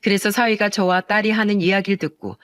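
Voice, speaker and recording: A woman's voice: medium pitch, fairly even intonation, quick pace, a bit bright, no echo, studio quality. Indignant older woman telling a family story. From South Korea. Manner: indignant, earnest. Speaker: mother telling her daughter's story. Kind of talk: storytelling narration.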